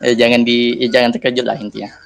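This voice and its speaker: A man's voice: mid-range voice, little pitch movement, fast, vocal fry, no echo. A man with a speech impediment on his r sounds, commentating live on a game in a casual, chatty way. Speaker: esports caster, streamer.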